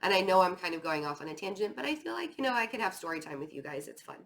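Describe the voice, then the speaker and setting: امرأة تقرأ التاروت بأسلوب عفوي. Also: female voice, on the low side, animated, rapid-fire, gravelly, fairly bright tone. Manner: chatty, rambling, encouraging, often addressing the listener directly. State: voice starting to tire. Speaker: tarot reader hosting an online reading. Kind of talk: casual, conversational tarot reading.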